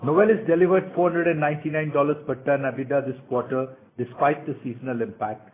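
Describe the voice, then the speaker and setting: A man in the role of a company executive, formally reading prepared remarks for an earnings call presentation. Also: medium pitch. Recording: tinny, narrow phone conference line.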